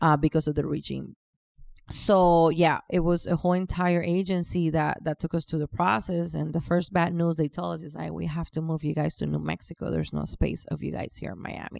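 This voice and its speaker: A woman talks in a Spanish accent. The recording is very clean with a silent background and a dry, close sound with no echo. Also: fairly quick pace. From Cuba. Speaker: realtor and podcast host. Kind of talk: interview storytelling. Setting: podcast interview. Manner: hesitant, with fillers.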